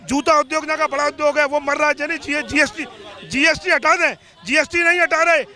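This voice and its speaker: A man politician speaking in a debate, his voice very high and piercingly bright. He presses his points hard in quick bursts, repeating demands one after another. Outdoors, with no crowd heard. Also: steady tone. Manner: forceful, piles up demands and accusations in short bursts. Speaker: opposition politician. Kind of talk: campaign speech in a debate.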